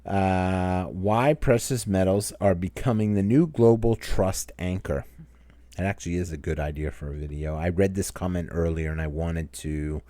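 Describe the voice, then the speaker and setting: A low-pitched man with a Maine accent chats casually as the host of his own channel, wandering from point to point as he answers viewer questions. His voice sits close and dry, with almost no room sound. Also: moderate pace, warm tone, no room sound. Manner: rambling, conversational, reads viewer comments aloud. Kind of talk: casual Q&A chat.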